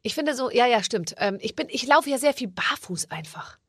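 Female host, slight Swabian accent, somewhat high voice, playful and teasing, dry close recording. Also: lively intonation, moderate pace, no echo. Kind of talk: game show hosting and casual chat.

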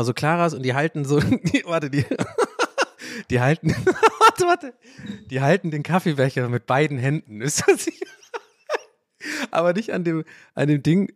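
A man hosting a casual solo podcast, talking in a rambling, animated way, restarting his sentences and often breaking into laughter. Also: mid-range voice, dry recording, studio quality. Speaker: podcast host.

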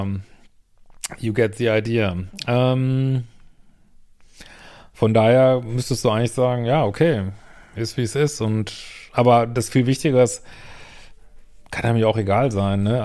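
A man's voice: lowish voice, fairly even intonation, normal speed, mellow. A man hosting a show, reading out a viewer's letter and commenting on it bluntly, swearing freely and ending sentences with questioning tags.

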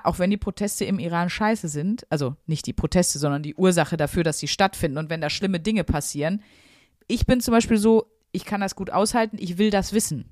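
A woman chats earnestly on a podcast, thinking aloud and filling pauses freely. Her voice sits on the low side. The sound is close and dry. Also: dry recording. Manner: chatty, earnest, talks it through with many fillers. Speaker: podcast co-host. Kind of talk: casual podcast chat.

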